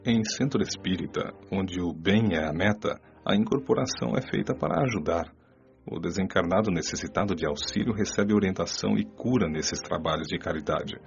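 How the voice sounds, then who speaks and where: A low, very creaky voice from an actor as a Brazilian male spirit mentor. He explains in a calm, serious, didactic manner, like a radio novel teacher. The recording is dull, with music underneath. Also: brisk. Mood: calm, instructive. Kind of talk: scripted audiobook radio novel dialogue.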